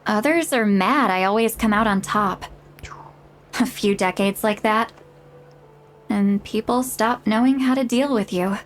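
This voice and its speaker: Sheepish yet proud, the ancient tribal granny this woman voices for a video game speaks candidly, flustered and putting herself down. The voice is natural, mid-range and unhurried, with slight background noise.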